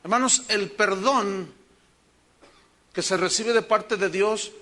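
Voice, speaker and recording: A man with a Mexican accent, a pastor preaching a sermon with emphatic rhetorical questions and animated storytelling. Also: high voice, slow. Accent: Mexican Spanish.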